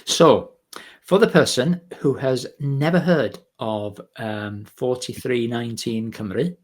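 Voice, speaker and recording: A man hosting a conversational interview, chatty and a little hesitant, softening his questions with tags. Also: mid-range voice, slow. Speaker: interviewer, host.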